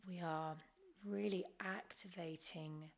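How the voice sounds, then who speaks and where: A woman guiding a Kundalini yoga class as the teacher, giving gentle, encouraging, unforced instructions. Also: lowish voice, fairly even intonation, takes it slowly, vocal fry.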